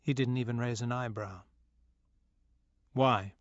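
A man narrating a memoir audiobook in a measured, sombre first-person reading. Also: on the high side, animated, no echo, dull audio.

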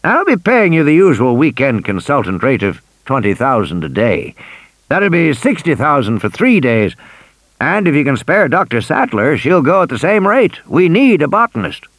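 A man's voice: fairly high pitch, wildly swooping pitch, normal speed, fairly bright tone, no echo, pitched above the performer's own voice, heavily acted. A man doing a cheery, pushy old tycoon. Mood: brisk. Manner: insistent, persuasive, coaxing.

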